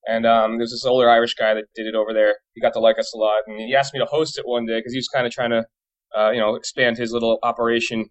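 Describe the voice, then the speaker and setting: A man's voice: medium pitch, level tone, fast, rough recording. A man in his thirties from Boston chatting informally as an interview guest, explaining his work in a casual way. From Boston area, United States. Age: 30s. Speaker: interview guest, pub trivia company owner.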